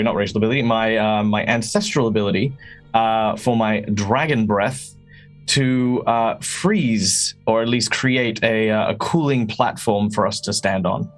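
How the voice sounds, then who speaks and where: A man playing a tabletop role-playing game, improvising description and dialogue in halting, hesitant phrases. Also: fairly low pitch, faint music behind.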